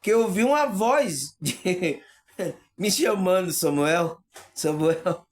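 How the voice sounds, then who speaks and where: A man's voice: high-pitched, sing-song, takes it slowly. A man talking casually and earnestly to his viewers about spiritual perception, often checking in with "you know?" and laughing. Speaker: spiritual video host.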